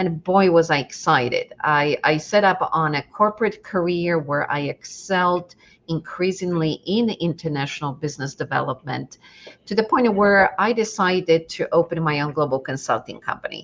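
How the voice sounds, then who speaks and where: With a Polish accent, a woman talks at a moderate pace and with ordinary pitch variation. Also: fairly low pitch for a woman. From Poland. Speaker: business coach. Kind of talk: interview.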